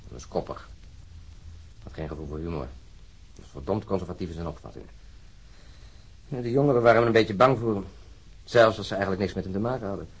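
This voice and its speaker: Radio crime drama: argumentative male policeman, wry and musing, low husky voice with lively swings. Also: brisk, long pauses, heavily acted, poor audio. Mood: reflective.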